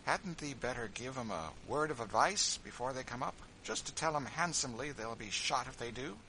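A man's voice: medium pitch, lively intonation, normal speed, bright, forceful tone, slight background noise, pitched above the performer's own voice, low-quality recording. A man reading an audiobook, voicing an easygoing, wry Quaker frontiersman with folksy plain speech.

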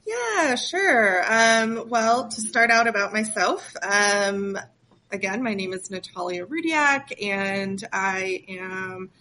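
A woman's voice: mid-range voice, slow, sharp tone, a little hiss or hum. A woman from Western Pennsylvania, a project director, talking in an interview in a chatty way with lots of ums and light self-mocking humor. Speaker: guest, nonprofit project director. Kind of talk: interview conversation.

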